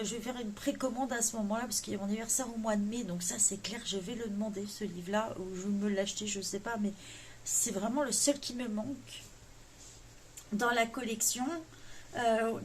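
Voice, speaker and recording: A fairly high, slightly mellow female voice comes through with slight background noise. She's a coloring vlogger in a casual chat about her wish list, hesitating often and teasing her own English accent.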